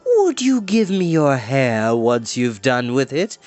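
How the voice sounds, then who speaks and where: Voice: medium pitch, very animated, slow pace, a little mellow. A reader voicing a plump, cheerful enchantress who talks in a chirpy, indulgent sing-song. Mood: cheerily menacing. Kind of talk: audiobook reading.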